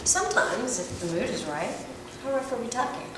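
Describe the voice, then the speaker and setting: A woman's voice: fairly high pitch, animated, moderate pace, natural voice. A woman playing a brash, sardonic adult-film producer and agent in a script read aloud, with a wry, teasing, theatrical manner. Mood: amused, needling. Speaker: actor at a table read. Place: echoey room at a table read. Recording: distant mic in echoey, noisy room.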